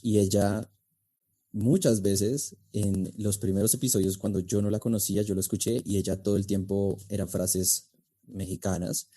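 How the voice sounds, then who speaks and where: A man's voice: lowish voice, steady tone, moderate pace, mellow. A man explaining things conversationally as an expert guest, in a didactic, emphatic way. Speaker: interview guest, speech and oratory coach.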